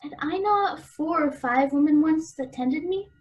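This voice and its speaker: A high-pitched woman acting as a tender young daughter in a Shakespeare radio play. She speaks old verse earnestly and theatrically, as a devoted girl addressing her father. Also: unhurried. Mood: curious, attentive.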